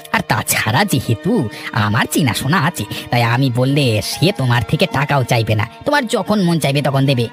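A man's voice: mid-range voice, natural voice. A man voicing a two-faced, ambitious cartoon villager, sly and eager, who swindles his neighbours. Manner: smooth-talking, sly, eager. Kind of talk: dramatic cartoon voice acting.

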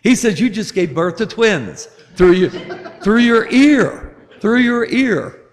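Older priest, slightly high voice, unhurried homily, echoing church. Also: male voice, expressive. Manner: gentle, storytelling, chuckles at his own jokes. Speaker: Catholic priest. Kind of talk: sermon.

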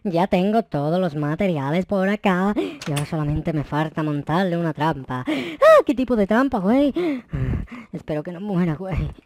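A man voicing an excitable, mischievous, foul-mouthed young Minecraft noob, exclaiming and muttering to himself as he plays. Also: high-pitched, moderate pace, slight background noise. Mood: scheming. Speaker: gaming video host. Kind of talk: roleplay gameplay commentary.

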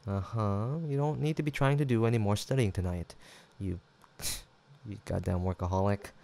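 A man's voice: lowish voice, normal speed, gravelly, dark tone. A young man acting an easygoing, teasing, affectionate student roommate in an intimate, casual roleplay audio drama, with hesitant banter. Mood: playful, relaxed. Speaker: voice actor.

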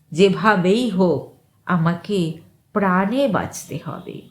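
Slow, highly expressive woman storyteller. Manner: expressive, suspenseful reading with deliberate pauses. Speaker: storyteller reading fiction aloud. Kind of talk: dramatic scripted narration of an eerie short story.

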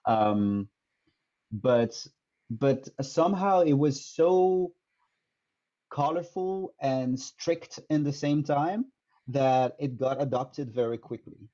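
Speaking slowly with a warm, mid-range voice, this thirty-something improv teacher from France carries a French accent and answers interview questions with care, often using fillers and starting over. The video call comes through his headset from a small room, with dull, lo-fi audio.

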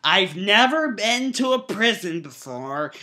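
A man's voice: sits high, big pitch swings, slow pace, bright, forceful tone, full character voice. A young man playing a miserable, whiny prison inmate in a comedy character sketch. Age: young adult. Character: miserable male prison inmate named Jim. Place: indoors, room at home.

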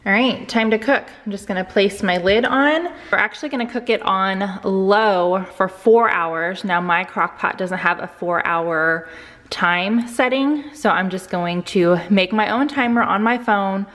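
A woman's voice: mid-range voice, measured pace, a bit bright. A woman in her thirties hosts a casual cook-along from her home kitchen. She sounds chatty and upbeat, guiding viewers step by step, recorded close on a camera mic. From United States. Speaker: cooking channel host. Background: dishwasher running in the background.

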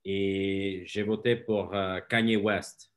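A man in his thirties from Nicaragua introduces himself on a video call. His voice is fairly low, and he slips in dry jokes. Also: level tone, slow. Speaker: guest, engineering school teacher.

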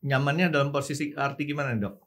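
A man's voice: mid-range voice, steady tone, fast, a bit bright. Curious male host asking questions. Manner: curious, asks short follow-up questions. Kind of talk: casual interview chat.

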